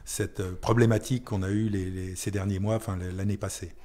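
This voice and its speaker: Low, mellow Frenchman, halting delivery. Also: little pitch movement. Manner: hesitant, halting, repeats words while searching for phrasing. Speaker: town mayor being interviewed. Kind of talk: unscripted radio interview.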